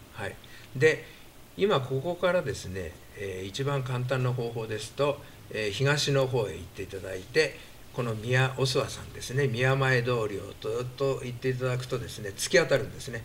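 A man speaks in a plain, everyday voice at a medium pitch and moderate pace, with ordinary pitch variation. His loudness swings a lot over light background noise. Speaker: talk show host. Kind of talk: casual interview chat. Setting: studio. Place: studio. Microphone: studio mic.

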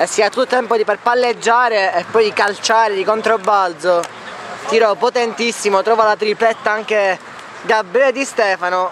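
A man with a high pitch speaks in an animated tone at a moderate pace, his loudness very even, while noticeable background noise runs underneath. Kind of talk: co-commentator giving live match analysis. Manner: more measured and explanatory, with an animated lift on goals.

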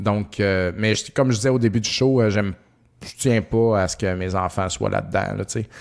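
An ordinary speaking voice from a man, fairly low in pitch, at a moderate pace with fairly even intonation, in a very clean recording with a silent background. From Quebec, Beauce. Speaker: retro gaming bar owner and father. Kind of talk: casual chat.

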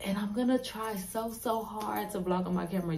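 Light background noise behind a woman's moderately paced speech. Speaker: lifestyle vlogger. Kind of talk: casual vlog talk to camera. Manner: casual, rambling. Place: home room. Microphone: phone near.

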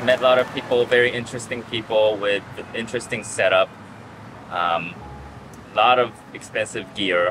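Music plays in the background as a man talks with ordinary pitch variation. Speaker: vlogger. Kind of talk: casual vlog chat. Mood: relaxed, content. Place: street. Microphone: phone near.

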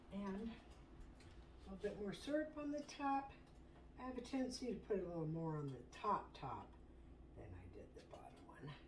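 A woman speaks at a moderate pace, her loudness swinging widely. Light background noise and audible room echo are present. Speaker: home cook vlogger. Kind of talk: casual vlog chat. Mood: cheerful, relaxed. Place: kitchen.

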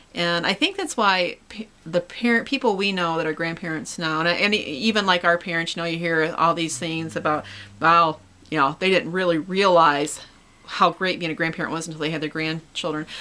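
Speaking at a moderate pace, a woman uses a fairly low pitch, fairly even intonation, and a bright, sharp tone. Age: 40s. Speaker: homemaker vlogger. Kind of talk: casual vlog monologue. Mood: reflective, earnest. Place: home room. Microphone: webcam.

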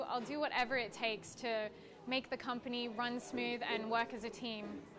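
A woman speaks with monotone, flat intonation. Noticeable background noise is present. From England (Brighton). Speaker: hairdresser, cosmetology student. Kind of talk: competition audition video to camera. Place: shop.

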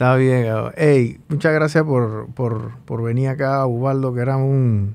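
A man at a fairly slow pace, his intonation fairly even. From Panama. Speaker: podcast host. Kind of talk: casual chat. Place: studio. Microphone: studio mic.

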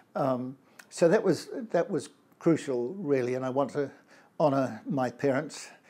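A man with a New Zealand accent speaks at a fairly slow pace in a fairly high voice. His tone is dark and mellow, with ordinary pitch variation. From New Zealand, Auckland. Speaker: physicist; interviewee. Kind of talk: interview about faith. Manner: hesitant with frequent fillers. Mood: warm, reflective. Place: office. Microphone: lapel.

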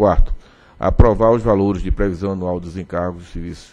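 A man's very deep, low voice, dark and mellow, with fairly even intonation. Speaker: regulatory agency director. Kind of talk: formal reading of report and vote. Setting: public board meeting. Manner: formal.

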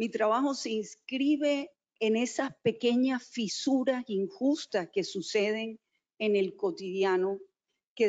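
Speaking fairly slowly with lively intonation, a woman with a fairly high pitch and a strong Colombian coastal accent is heard against a quiet background. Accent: strong costeño Colombian. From Colombian Caribbean coast, Cartagena. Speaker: visual artist. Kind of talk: live on-stage interview. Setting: in-person event with audience. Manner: hesitant, many fillers. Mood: reflective, warm. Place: home room. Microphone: handheld.

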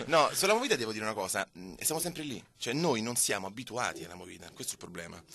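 With very wide pitch swings and big swings in loudness, a man speaks at a very fast pace in a medium pitch, his tone bright and sharp, the sound dry with no echo. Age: 30s. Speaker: sports journalist. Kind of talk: casual chat. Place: studio. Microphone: studio mic.

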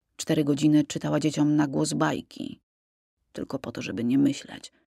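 The recording is very clean with a silent background and a dry, close sound with no echo, the speaker using vocal fry, ordinary pitch variation and a moderate pace. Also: woman. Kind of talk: audiobook reading of a novel, narration with quoted character dialogue. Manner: expressive, shifts tone for each character's dialogue; even, measured storytelling pace.

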